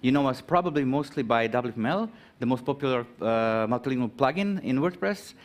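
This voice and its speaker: A man's voice: medium pitch, animated, brisk. A man from Croatia giving a conference talk, hesitant, with many ums and restarts. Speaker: conference speaker. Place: conference hall.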